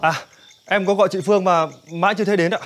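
A man's voice: sits high, steady tone, quick pace, soft background music, close to an everyday voice. An actor playing a polite, deferential young man in a television drama.

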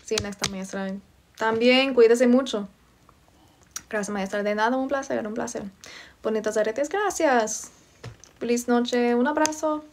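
A young woman from Virginia, in the United States, hosts a casual livestream on her phone from a room at home, holding it close as she reads viewers' comments aloud, answers them, and greets people by name. Her voice is a little high and unhurried, with frequent pauses.

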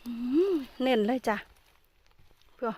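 A woman's voice: slow, a little mellow. A woman with an Isan Thai accent chatting casually as she vlogs outdoors in a forest, exclaiming often. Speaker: vlogger. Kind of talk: casual vlog narration.

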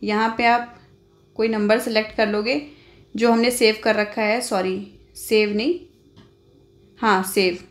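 A woman's voice: medium pitch, flat delivery, measured pace, long pauses. An Indian woman hosting an informal phone tutorial, explaining step by step and often adding little check-in tags. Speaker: tech tutorial host.

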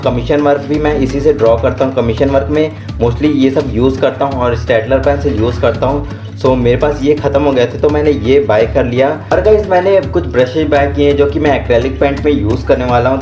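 A young man from central India talks casually to the camera as he shows off his art supplies, slipping English words into his chat. His voice sits at an everyday middle pitch. The room is echoey, with faint music underneath. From Raipur, Chhattisgarh, India. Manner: chatty and informal, mixing English words into Hindi. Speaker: art channel host.

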